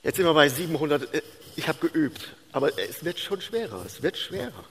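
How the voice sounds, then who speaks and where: Animated preaching man in echoing hall. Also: on the high side, a little fast, a little hiss or hum. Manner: animated storytelling, swings from loud preaching to hushed. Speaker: pastor. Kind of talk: sermon. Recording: long hall reverb.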